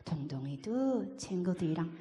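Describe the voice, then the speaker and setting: A woman voicing a loving grandmother who speaks slowly and softly to her grandson. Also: on the low side, sing-song, in a large hall, pitched below the performer's own voice. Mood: tender. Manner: slow, soft, tender.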